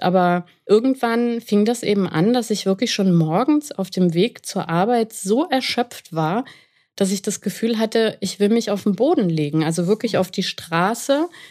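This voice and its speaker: A woman with a normal speaking voice talks at medium pitch with lively intonation. The sound is dry and close, with no echo. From Franconia, Germany. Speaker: psychologist and author. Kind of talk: interview.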